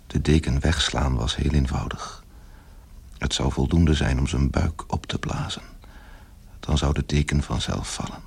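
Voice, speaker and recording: Very deep, gravelly male storyteller. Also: measured pace, darkish tone. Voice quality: gravelly, husky. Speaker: narrator of a radio play. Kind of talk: scripted literary narration.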